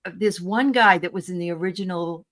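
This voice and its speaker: A woman's voice: fairly low pitch, brisk, a bit bright. A woman from the Boston area chatting casually and opinionatedly on a group show, laughing easily. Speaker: tarot show co-host. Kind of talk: casual chat.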